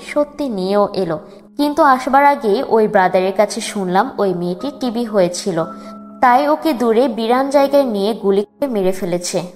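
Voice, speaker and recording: A woman narrating a first-person wartime memoir in a grave, measured way. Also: mid-range voice. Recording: long reverb with soft music beneath.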